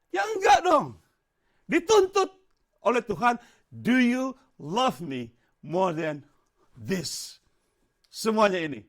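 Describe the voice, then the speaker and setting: A man's voice: very high-pitched, fairly bright tone. An older man preaching a sermon as pastor in a church, quizzing his congregation and slipping English phrases into his talk.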